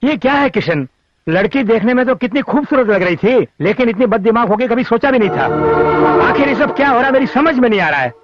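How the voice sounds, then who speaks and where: A man's voice: very high voice, lively intonation, a little fast, faint music behind. An actor playing a grumbling, sarcastic middle-aged father of a grown son in a film drama. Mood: exasperated. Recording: dull band-limited film soundtrack.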